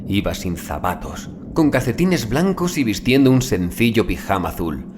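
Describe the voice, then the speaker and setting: A man reading a scripted horror story as an audiobook narrator, in a grave, deliberate dramatic manner with drawn-out phrase endings. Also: lowish voice, sing-song, noisy background. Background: music bed.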